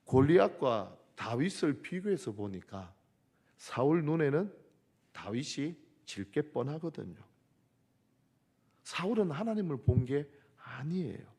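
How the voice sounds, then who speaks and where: Pastor guy preaching, super animated, highish voice, loud then soft. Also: unhurried, breathy edge. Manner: emphatic, dramatic swings between loud and soft. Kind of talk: sermon.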